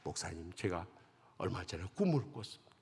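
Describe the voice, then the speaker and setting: A man voicing a humbled middle-aged deacon who confesses quietly and contritely, heard with long church hall reverb. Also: very animated, brisk, gravelly, breathy edge, full character voice. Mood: hushed contrite. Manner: low, hushed and contrite.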